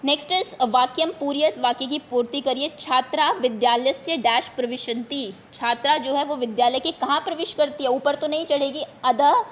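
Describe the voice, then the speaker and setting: A woman's voice: sits high, fairly even intonation, moderate pace, hardly any pauses. A woman teacher going through exam questions one at a time, patiently repeating each term in plain Hindi. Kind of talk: explaining exam answers.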